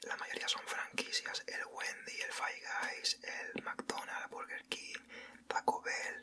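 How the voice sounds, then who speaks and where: A man whispers at a very slow pace. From Spain. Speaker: ASMR creator. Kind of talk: ASMR story time. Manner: whispered. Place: home room.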